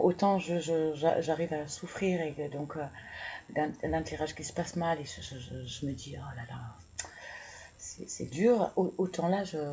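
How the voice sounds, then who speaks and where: Card reader, female, casual, stammers while thinking aloud, unhurried delivery. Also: deep voice, dark tone, a little hiss or hum, poor audio. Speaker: tarot and oracle card reader. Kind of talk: casual card-reading video.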